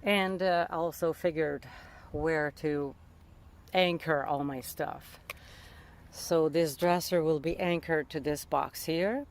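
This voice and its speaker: A woman's voice: low voice, steady tone, slow, a little hiss or hum. French-Canadian woman chatting casually, searching for words. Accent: Québécois French. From Montreal, Canada. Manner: searching for words, often rephrasing. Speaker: vlogger documenting a van build. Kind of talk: casual vlog chat.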